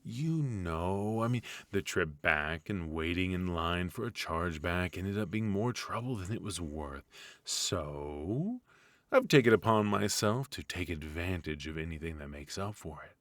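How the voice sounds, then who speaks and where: A man playing a smug, fussy retired supervillain husband in an intimate comedic ASMR roleplay, with a husky, mock-sinister delivery. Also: deep voice, lively intonation, a little slow, a bit bright, no echo. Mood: gleeful scheming.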